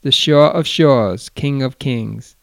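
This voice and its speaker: A man doing a hoarse, broken old exile. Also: slow pace, no echo. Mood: somber. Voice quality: low and hoarse. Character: elderly male exile, broken, bitter, secretive.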